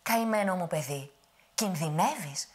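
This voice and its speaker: A woman voicing a doting, scolding old witch who is the giant's grandmother, with a husky voice. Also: expressive, lightly acted. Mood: worried. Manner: high, loud, scolding and cooing.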